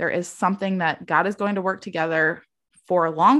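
The speaker is a woman at a medium pitch. Her pitch variation is ordinary. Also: very clean recording, silent background. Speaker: podcast host and mom. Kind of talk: podcast interview about personal story. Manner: fast talker; animated, tough-love encouraging.

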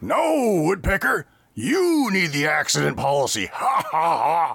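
Middle-pitched, fairly slow put-on character voice. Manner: exaggerated, mocking with a laugh.

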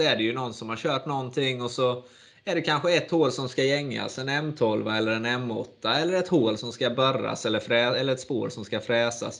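A man speaks at a medium pitch with vocal fry. His pitch varies in an ordinary way. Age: 20s. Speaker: podcast host, cutting tool specialist. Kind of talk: casual chat.

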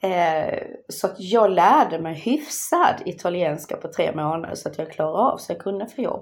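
A woman with a Scanian accent at a moderate pace. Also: big swings in loudness. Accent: Skåne (Scanian) Swedish. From Skåne, southern Sweden (Malmö). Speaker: host's father's partner. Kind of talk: casual chat.

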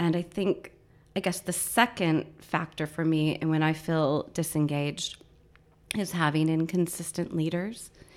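A woman with a normal speaking voice talks at a fairly slow pace with fairly even intonation. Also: fairly low pitch for a woman. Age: 40s. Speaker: behavioural scientist. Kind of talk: interview.

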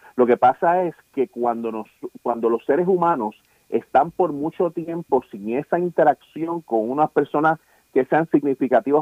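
With an unremarkable speaking voice, a man talks at a moderate pace. His pitch is fairly high and his intonation lively. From Puerto Rico, Ponce. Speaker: counseling psychologist. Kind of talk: radio interview.

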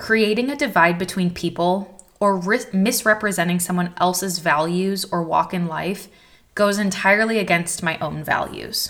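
An unremarkable speaking voice, a woman with an American accent talks at a moderate pace and medium pitch with ordinary pitch variation. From United States. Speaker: podcast host and writer. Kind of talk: monologue commentary.

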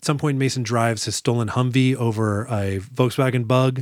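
A man with a normal speaking voice talks in a medium pitch with fairly even intonation. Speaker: podcast host. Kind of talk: casual comedic chat. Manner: jokey, conversational.

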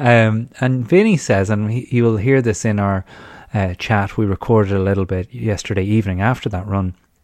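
A man speaks with an Irish accent at a fairly quick pace. His pitch is fairly low. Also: fairly even intonation, quiet background. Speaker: podcast host, amateur runner. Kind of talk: casual chat.

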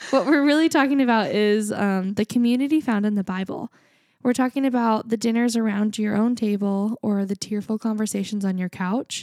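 A woman's unremarkable speaking voice, fairly high in pitch with ordinary pitch variation, at a fairly quick pace, dry and close with no echo on a very clean recording with a silent background. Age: 20s. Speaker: podcast co-host, therapist in training. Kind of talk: casual chat.

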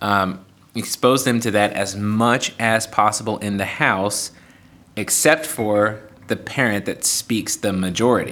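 Fairly low in pitch with a bright, sharp tone, a man with an American accent speaks at a fairly slow pace and fairly even intonation. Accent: American, general. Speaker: podcast host. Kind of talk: casual chat.

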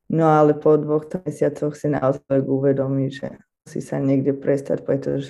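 With vocal fry and a dark, mellow tone, a woman speaks at a moderate pace in a very deep, low, monotone voice. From western Slovakia, near Trnava. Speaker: missionary and humanitarian aid worker. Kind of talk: interview.

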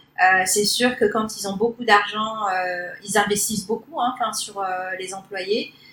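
Over noticeable background noise, a woman speaks at a fairly slow pace with medium pitch and fairly even intonation. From Paris, France. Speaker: podcast guest. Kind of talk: casual chat. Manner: hesitant with many fillers.

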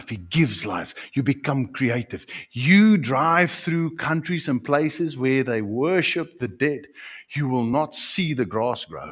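A man's fairly high-pitched voice with a South African accent and lively intonation at a fairly slow pace, on a very clean recording with a silent background. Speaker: pastor. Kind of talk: sermon.

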